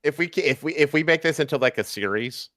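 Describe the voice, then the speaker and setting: A man's voice: a little high, expressive, fast talker, a bit bright, no echo, clean studio sound. A man doing a comic reading of fan fiction on a stream, with casual asides.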